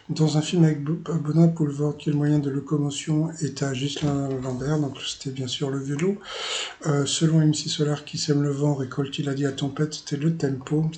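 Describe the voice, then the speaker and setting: A man's voice: fairly high pitch, little pitch movement, normal speed, mellow, a little hiss or hum. A man from Paris, hosting his own channel, casually recapping a TV quiz show in a chatty, rambling way full of filler words and amused asides. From Paris, France. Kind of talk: casual spoken recap commentary.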